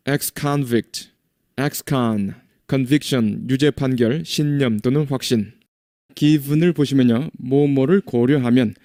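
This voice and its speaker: Guy teaching english words, slow careful example sentences, mellow low-key voice. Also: dry recording, studio quality. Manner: reads English example sentences very slowly and clearly, Korean explanations quickly. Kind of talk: vocabulary lesson.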